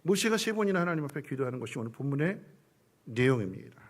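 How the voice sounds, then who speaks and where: A man's voice: mid-range voice, sing-song, fast talker. A man preaching a Sunday sermon as a church pastor in South Korea, acting out quoted voices and sometimes dropping to a whisper. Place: church sanctuary.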